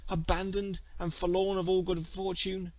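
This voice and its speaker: A man's voice: high-pitched, level tone, normal speed, a little mellow, voice pushed up, lightly acted. A man voicing an anguished, vengeful young woman, wailing melodramatically in an archaic storybook tale. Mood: bitter despair. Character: anguished, vengeful young wronged woman lamenting her betrayal. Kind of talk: dramatic archaic storybook reading.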